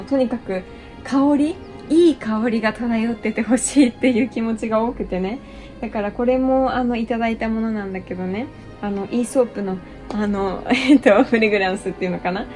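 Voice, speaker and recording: A woman's voice: mid-range voice, darkish tone. A woman in her twenties chatting casually to the camera while giving a tour of her small bedroom, dropping English phrases into her talk and using lots of fillers. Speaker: vlogger giving a room tour. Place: small bedroom apartment indoors. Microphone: handheld camera close up.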